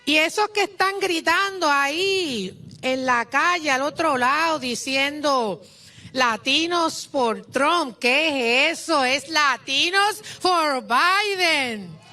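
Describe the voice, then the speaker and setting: A high-pitched woman with a Puerto Rican accent delivers a rousing rally speech outdoors. Her voice is bright and ringing, and she speaks slowly, leaning on each phrase. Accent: Puerto Rican Spanish. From Puerto Rico. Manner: impassioned, rousing.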